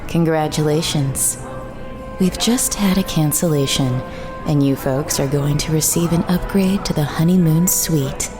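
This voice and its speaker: A polite female hotel clerk speaks in a deep register with formal customer-service courtesy. It sounds like audio drama, with music clearly playing behind her. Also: a little slow. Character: courteous hotel desk clerk announcing good news. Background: background music.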